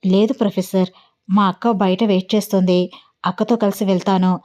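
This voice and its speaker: A woman's voice: medium pitch, steady tone, fairly quick, darkish tone, natural voice. A woman voicing a determined young pregnant female student who pleads politely but stands firm, in a read-aloud story. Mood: grateful.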